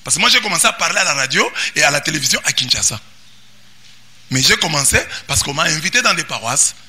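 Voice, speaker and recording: Man, Congolese French accent, priest, high-pitched, very bright, preaching sermon. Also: quick pace, husky. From Democratic Republic of the Congo. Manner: animated preaching, often shouting and singsong. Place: parish church.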